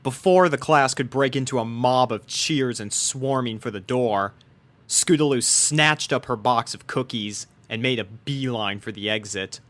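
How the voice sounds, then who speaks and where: A man's voice: medium pitch, measured pace, a bit bright. A man reading a scripted story aloud as its narrator. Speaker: fan fiction narrator.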